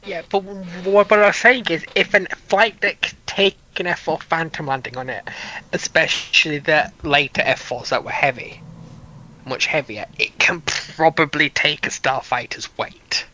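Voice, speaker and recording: Bright, higher-voiced man chatting. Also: normal speed, poor audio. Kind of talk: casual panel discussion of military history.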